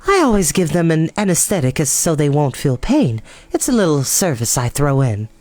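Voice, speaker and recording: A storyteller voicing a calm, brisk, motherly female spider in a storybook, with a sweet tone. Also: medium pitch, no room sound, close to an everyday voice. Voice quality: sweet, musical.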